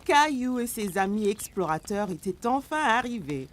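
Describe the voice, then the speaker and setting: A woman's voice: medium pitch, sing-song, normal speed. A woman narrator reading a scripted French children's cartoon story, with music behind her.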